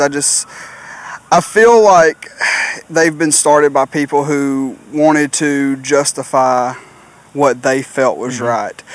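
Over noticeable background noise, the speech moves at a fairly slow pace with ordinary pitch variation. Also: man. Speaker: student interviewee. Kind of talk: casual interview answers.

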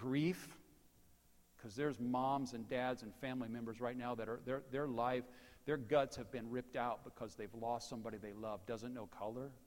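This man has an ordinary speaking voice, pitched in the middle range, with fairly even intonation. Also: moderate pace. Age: 50s. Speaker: pastor. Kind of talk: sermon. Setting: church service streamed on Facebook.

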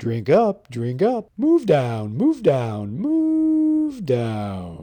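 A man uses a put-on character voice. It is fairly high-pitched and delivered at a very slow pace. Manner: manic, whimsical.

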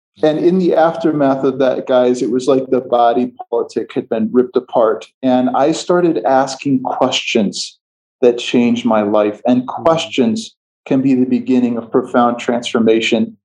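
At a moderate pace, a man with an American accent speaks at medium pitch in a normal speaking voice. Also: ordinary pitch variation. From US Midwest, outside Chicago. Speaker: ethicist and theologian. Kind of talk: interview.

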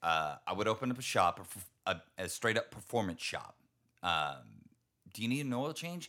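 Speaking at a moderate pace with an American accent, a man with a medium pitch and bright, sharp tone shows very wide pitch swings and vocal fry. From Texas. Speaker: car podcast host. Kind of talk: casual chat.

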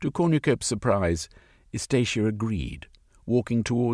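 Natural-voiced reading aloud, pitch varying in an ordinary way.

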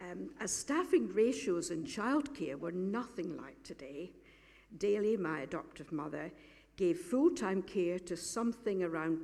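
In a Scottish accent, a woman speaks at a fairly slow pace with a dark, mellow tone and very wide pitch swings. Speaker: retired teacher giving testimony. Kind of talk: testimony. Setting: church service.

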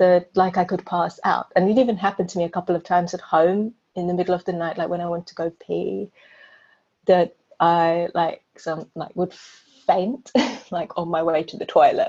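Speaking in a London accent at a moderate pace, a woman with a fairly low pitch and dark, mellow tone has big swings in loudness. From England, London. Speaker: mother sharing birth story. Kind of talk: personal testimony interview. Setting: home, separate room from host.

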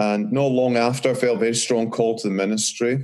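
Speaking at a medium pitch with fairly even intonation, a man uses a normal speaking voice. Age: 50s. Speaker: pastor and author. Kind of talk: casual interview conversation.

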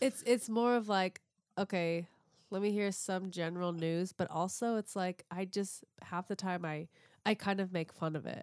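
A woman with an ordinary speaking voice talks at medium pitch and a moderate pace with fairly even intonation, recorded very cleanly in a dry, close sound with no echo and a silent background. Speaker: boxing coach. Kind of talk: casual chat. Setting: studio.

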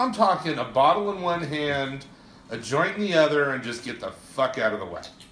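A man's fairly high voice with very wide pitch swings and big swings in loudness, over noticeable background noise. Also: moderate pace. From New York, US; Puerto Rican heritage. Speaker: stand-up comedian. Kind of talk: casual chat.

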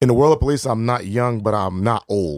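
Very fast speech comes from a man with ordinary pitch variation. The sound is dry and close, with no echo. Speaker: retired police sergeant. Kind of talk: casual chat. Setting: radio studio. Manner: animated.

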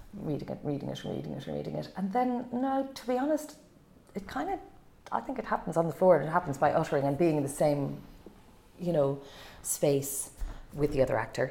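With an Irish accent, a woman talks at a fairly quick pace, broken by long, frequent pauses, and her loudness swings widely. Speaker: actor. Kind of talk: casual interview chat. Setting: studio.

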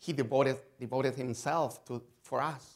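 A man speaks with a Mexican accent. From Mexico. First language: Spanish. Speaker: pastor. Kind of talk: sermon. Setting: church. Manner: halting.

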